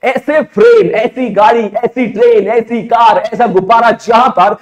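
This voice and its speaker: High-voiced male physics teacher. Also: unhurried. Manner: conversational, asks and repeats questions. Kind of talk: lively exam-prep lecture.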